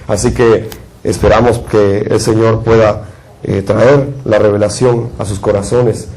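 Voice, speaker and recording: A man's voice: lowish voice, level tone, measured pace, a little mellow, rough recording. A man from Guatemala, a preacher giving a sermon and leading a prayer with a repetitive, fervent cadence.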